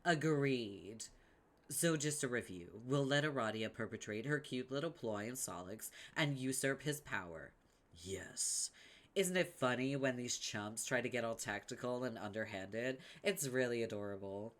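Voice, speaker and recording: A man's voice: mid-range voice, expressive, measured pace, fairly bright tone. A man voicing a smug, scheming young female troll with a brash, sarcastic delivery.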